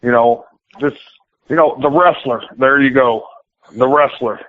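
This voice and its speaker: A pro wrestler gives a casual, rambling interview, talking in plain, colloquial and sometimes profane language. His voice sits in the mid-range and moves a little slowly. The recording is dry, with the tinny, phone-like sound of a radio interview.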